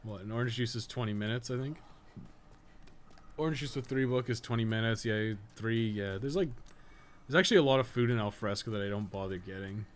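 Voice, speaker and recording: A man's voice: mid-range voice, brisk, a little hiss or hum. A man livestreaming a game, chatting casually and thinking aloud in a rambling, slangy, sweary way. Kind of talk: casual gameplay commentary, chatting while playing.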